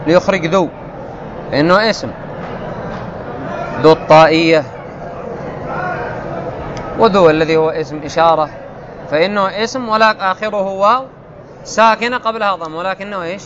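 A man with a high voice leads a classical grammar lesson, reading the text aloud slowly and firing questions at the class before answering them himself. The recording is muffled and lo-fi. Loud traffic and vehicle noise run behind it. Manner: reads text slowly, quizzes students. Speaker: grammar teacher. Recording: muffled, noisy with outdoor traffic.

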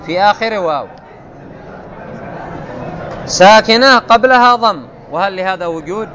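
A man teaching a classical text, reading passages slowly and quizzing his students with questions he then answers. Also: sits high, expressive, bright, forceful tone. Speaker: grammar teacher. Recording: muffled, noisy with outdoor traffic.

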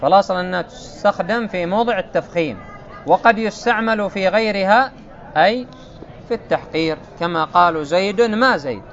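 A man's voice: high voice, a little fast, a bit bright, lo-fi sound, a faint crowd. A man teaching a classical Arabic grammar lesson, explaining step by step and checking often whether his students follow.

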